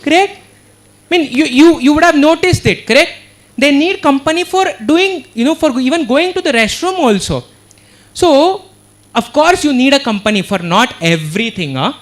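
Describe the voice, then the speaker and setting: A man with an Indian English accent lecturing students. His voice sits high for a man, and he talks with earnest energy. He keeps tossing checks back to the listeners as he goes. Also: lively intonation, moderate pace. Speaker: motivational speaker. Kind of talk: motivational talk to students. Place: university auditorium.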